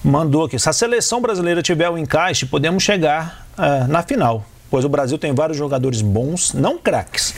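A man hosts a live sports radio show, reading listener messages in a chatty way. His voice is husky, pitched a little high, and rises and falls a lot.

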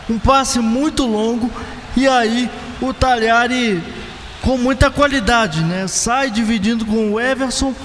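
A Brazilian man analyses a football match on live radio, talking things through in a measured way with a very high voice. His voice carries a long hall reverb with faint ambience behind it. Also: a bit bright, slight background noise. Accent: Brazilian Portuguese.

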